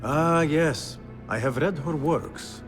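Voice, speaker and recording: A man playing a respectful, earnest young Arab assassin in a video game, with formal, measured speech. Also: a little high, over music. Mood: calm, respectful. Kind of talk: video game cutscene acting.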